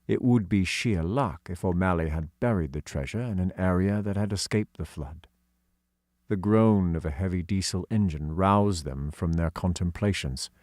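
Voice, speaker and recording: A man's voice: low-pitched, normal speed, darkish tone, no room sound, clean studio sound. A man reading scripted story narration as an audiobook narrator.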